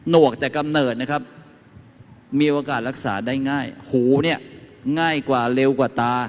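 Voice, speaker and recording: A man's voice: fairly high pitch, slight background noise. A man giving a folksy talk to a live audience as a lecturer on home remedies, telling anecdotes and tossing questions to the crowd. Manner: chatty, asks the audience questions, tells anecdotes. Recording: reverberant hall.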